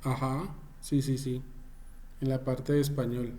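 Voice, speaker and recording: Man teaching an online class, mellow. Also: medium pitch, level tone, a little slow, a little hiss or hum. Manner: repeats and restates points, addresses students by name.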